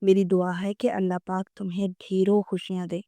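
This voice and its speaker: A woman's voice: medium pitch, level tone, mellow, no room sound, lightly acted. A woman reading the part of an anxious fiancée who talks earnestly. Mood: relieved.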